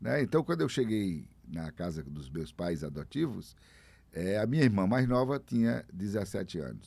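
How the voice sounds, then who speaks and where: A man speaks at a moderate pace with a very deep, low pitch and a dark, mellow tone. His pitch swings very widely. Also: very clean recording, silent background. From Ceará, Brazil (rural interior). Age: 60s. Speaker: poet and journalist. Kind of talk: TV interview.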